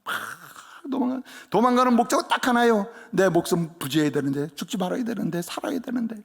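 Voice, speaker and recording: A man preaching a sermon in a church, lively and conversational, often asking the congregation questions. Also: high-pitched, fast, gravelly. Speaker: pastor. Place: church sanctuary.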